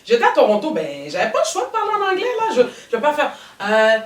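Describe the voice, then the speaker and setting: A woman hosting a casual panel chat, talking in animated, rambling bursts. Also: high-pitched, fast talker. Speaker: talk show host. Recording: roomy studio sound, mic at a distance.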